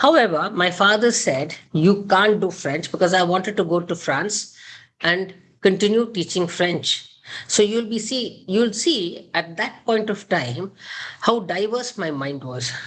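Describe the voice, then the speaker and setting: With a Kannada accent, a woman speaks at medium pitch. Her pace is fairly slow and her intonation lively. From India (Karnataka). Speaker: gynaecologist. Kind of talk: interview.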